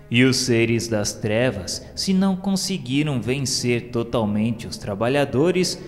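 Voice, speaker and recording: A Brazilian man reading a scripted radio narration in a solemn, formal, measured way. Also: mid-range voice. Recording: long reverb, music behind the voice. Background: music.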